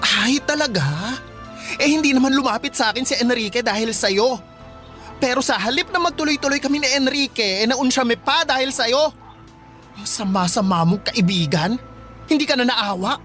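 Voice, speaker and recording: A woman's voice: fairly high pitch, lively intonation, moderate pace, a bit bright, faint music behind. Sassy, confrontational gay teenage boy. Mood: scornful, hurt. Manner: dramatic, sassy, taunting delivery with campy exclamations. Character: feisty, sarcastic young gay male high schooler, wounded and confrontational. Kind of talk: radio drama acting.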